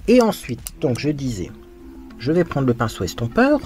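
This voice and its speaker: A man's voice: mid-range voice, big pitch swings, moderate pace, a little mellow, faint music behind. A man talking through his makeup as he applies it, in a frank, chatty get-ready-with-me style, often thinking aloud. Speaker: makeup vlogger. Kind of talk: casual get-ready-with-me commentary.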